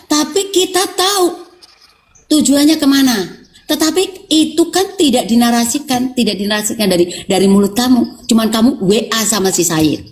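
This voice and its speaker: A woman talking as a guest on a live stream, upset and rambling, with halting restarts. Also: sits high, darkish tone. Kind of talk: emotional live stream talk.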